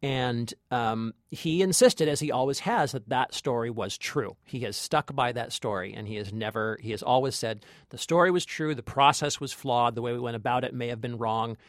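A male film critic co-hosting a podcast, with a mid-pitched voice and a dry, close sound. He talks conversationally and reflectively, building emphasis through repeated phrases. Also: moderate pace, few pauses, no room sound.

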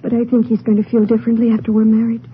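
Woman playing an anxious, high-voiced young Mexican girl. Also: completely flat delivery, rapid-fire, natural voice. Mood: earnest. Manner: pleading, emotional. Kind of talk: 1950s American radio melodrama acting. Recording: tinny, noisy vintage radio recording.

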